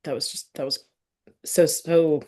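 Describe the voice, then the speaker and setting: Female interviewer with a low voice; relaxed conversational hosting, informal phrasing. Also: measured pace. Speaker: interviewer, host.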